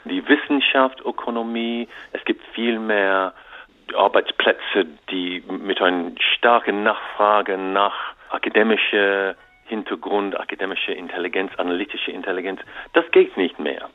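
Speaking in a lowish, steady voice through a tinny phone connection, a man gives a radio interview as an author guest. His German is non-native and halting, full of repeated restarts and English fillers.

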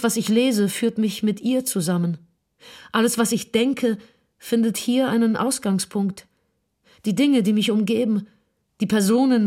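An actress playing a grieving woman of the nineteenth century, reading her letter in a measured, heartfelt, literary way for radio drama. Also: mid-range voice, a little mellow, natural voice. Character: grieving 19th-century woman writing to a dear friend.

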